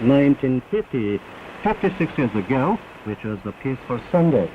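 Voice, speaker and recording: A man reading formal scripted propaganda news as a radio announcer, in a solemn, deliberate, declamatory manner. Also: medium pitch. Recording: dull hissy shortwave radio broadcast, heavy noise.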